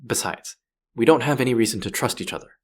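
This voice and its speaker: A man playing a gruff, sardonic space pirate who is grudgingly softening, in a scripted sci-fi audio roleplay spoken to the listener. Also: medium pitch, lively intonation, quick pace, close to an everyday voice. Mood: exasperated, defensive. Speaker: voice actor.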